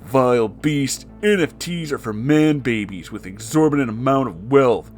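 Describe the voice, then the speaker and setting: A man's voice: mid-range voice, expressive, normal speed, loud music behind the voice, lightly acted. A man voicing a muscular, righteous cartoon cat hero in a comic story, declaiming with earnest bravado. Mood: righteous anger.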